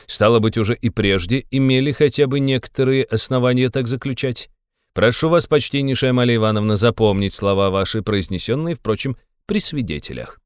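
A man's voice: mid-range voice, fairly quick, clear, resonant tone, no room sound, clean studio sound, voice pushed up, lightly acted. A man voicing a pompous, fussy middle-aged official who adds old-fashioned deferential endings to his words. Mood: pompous reproach.

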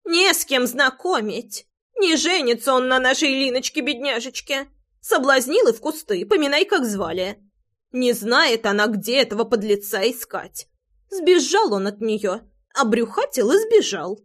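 A theatrical old grandmother lamenting in long, drawn-out cries, her voice pitched high and slow with grief. A woman narrator puts her on in a spoken storybook. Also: lively intonation, fairly bright tone, heavily acted. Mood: wailing.

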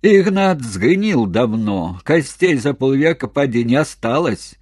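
A cranky old village man with a hoarse voice, as the narrator puts him on, pitched higher and louder than the reader's own. He scolds and grumbles, ready to argue back. The sound is dry and close. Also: lively intonation, takes it slowly, dry recording. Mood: scolding.

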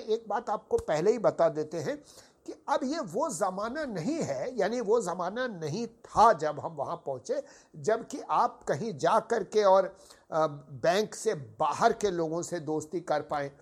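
An older man from Uttar Pradesh with a sore, hoarse throat, hosting a podcast and telling a story in a formal, courteous way, addressing his listeners as sahib. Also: high voice. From Uttar Pradesh, India. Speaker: podcast host. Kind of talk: slow reminiscing storytelling.

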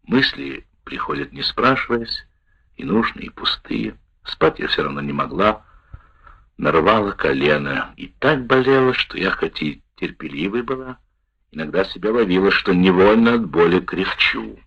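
A man reading a wartime memoir aloud in the first person, with a measured, expressive delivery. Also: sits low, creaky, slightly rough. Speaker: narrator. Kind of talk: audiobook narration of a wartime memoir. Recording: dull lo-fi recording.

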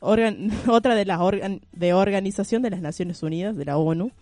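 A woman's voice: medium pitch, fairly quick, mellow, dry recording. Woman, Argentine accent radio co-host, satirical news read, giggly and mocking, dry close sound. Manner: mocking, reads news aloud with frequent laughter.

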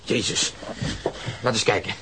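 An actor playing a tense, excitable detective with a gravelly voice in a radio drama. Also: male voice, a little slow, noisy background, natural voice. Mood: tense, agitated.

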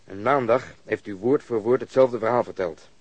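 Insistent police detective, husky low voice, sardonic, radio drama. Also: male voice, moderate pace, no room sound, muffled recording. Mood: accusing. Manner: blunt, insistent interrogating. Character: stubborn, sardonic male police detective pressing a witness.

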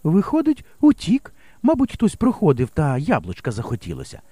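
A bold young village schoolteacher, as a male reader puts her on, pitched well above his own voice. She speaks in a bright, brisk and reassuring way, with a dry, close storybook sound. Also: huge pitch swings, slightly rough, dry recording, heavily acted. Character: brave, resolute young woman village teacher. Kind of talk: audiobook character voice.

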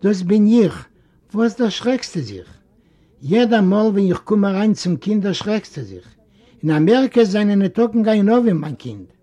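A man's voice: high-pitched, very animated, normal speed, warm tone, pitched above the performer's own voice. A man voicing a fussy, affectionate old uncle in a storybook reading. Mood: coaxing. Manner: coaxing, fussing.

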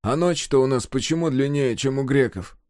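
A man's voice: mid-range voice, moderate pace, darkish tone, no room sound, clean studio sound, voice pushed up, natural voice. A man voicing a naive, anxious woodcarver who calls out plaintively and bewildered, in an audiobook. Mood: plaintive, alarmed. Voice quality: hoarse. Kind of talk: audiobook character voice.

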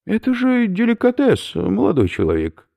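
A man's voice: high-pitched, huge pitch swings, normal speed, creaky, warm tone, pitched above the performer's own voice, exaggerated voice. A man voicing a pedantic elderly male professor who lectures in a genteel, pompous way. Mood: lecturing.

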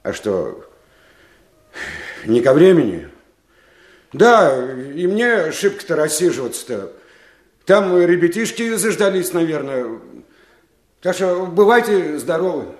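A man's voice: a little high, big pitch swings, slow pace, pauses often, a little mellow. An actor playing a sly, ingratiating older village father in a radio play, breezy and chatty. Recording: echoey room.

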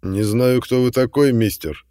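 Man doing a calm, polite older man. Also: mid-range voice, no room sound, studio quality, long reverb tail, voice pushed up, close to an everyday voice. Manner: measured, courteous warnings. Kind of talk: audiobook reading.

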